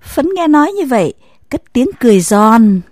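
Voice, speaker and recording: Woman narrator, breathy, lively pitch, scripted story. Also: normal speed, dry recording, studio quality.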